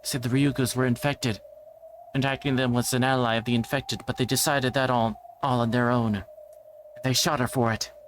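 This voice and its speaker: A man's voice: mid-range voice, steady tone, normal speed, slight background noise, lightly acted. A man voicing a fierce, grieving girl in a visual novel, speaking with urgent insistence. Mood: anguished, urgent. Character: fierce, grief-stricken girl urging others to survive. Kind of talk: visual novel character read aloud. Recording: music behind the voice.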